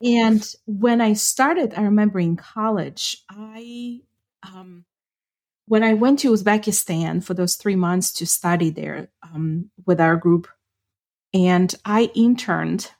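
A woman's voice: mid-range voice, unhurried, a little mellow. Middle-aged woman, thoughtful. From Ukraine. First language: Ukrainian. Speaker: podcast co-host. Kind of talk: casual chat.

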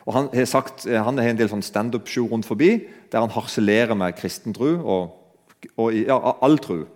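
A man's voice: fairly low pitch, a little mellow. Man preaching in an echoing hall. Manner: conversational, addresses listeners directly. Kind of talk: sermon. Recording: long hall reverb.

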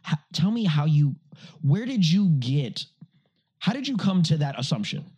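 A man's voice: a little high, moderate pace, slightly rough. A man co-hosting a podcast, swearing freely and telling stories in casual chat. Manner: profane, animated storytelling. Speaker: podcast co-host.

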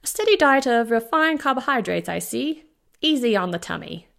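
A woman's voice: a little high, big pitch swings, moderate pace, gravelly, a bit bright, voice pushed up, heavily acted. Woman doing a wry older British woman doctor. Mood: wry, brisk. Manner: dry, teasing, upbeat.

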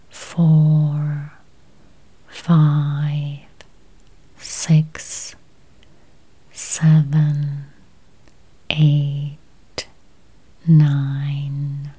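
A woman leading a guided meditation in a soft, breathy near-whisper, with calm, soothing, deliberate phrasing. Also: low voice, poor audio.

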